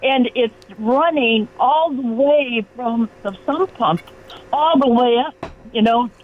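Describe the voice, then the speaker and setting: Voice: medium pitch, slow pace. A caller in their nineties on a garbled phone line that sounds underwater, talking in a worried, rambling way. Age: 90s. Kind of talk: call-in radio chat. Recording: tinny, noisy, bubbling phone line.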